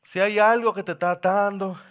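A male pastor preaching a sermon into a microphone, impassioned, swinging from loud cries to hushed pleading. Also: high-pitched, fairly even intonation, fairly quick.

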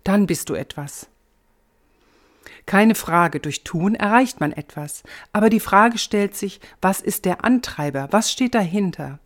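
A woman giving a scripted Christian devotional, guiding the listener directly in a measured, gently instructive way. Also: mid-range voice, animated. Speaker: host of a Christian reflection. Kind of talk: scripted devotional talk with guided reflection.

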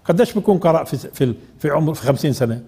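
Older male Quran teacher, high pitch, conversational lecturing. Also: lively intonation, very fast, dark tone, slightly rough. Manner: conversational, asks the audience questions. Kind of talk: informal religious lesson.

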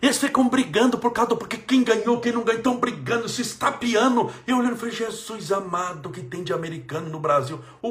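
A man's voice: very high voice, a bit bright. A man with a Brazilian Portuguese accent, a politician giving a motivational religious talk, emphatic and repeating phrases for stress. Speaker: politician giving life advice.

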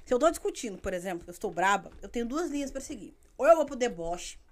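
A woman comedian in casual podcast chat, animated, mocking and swearing freely. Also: a little high, fast.

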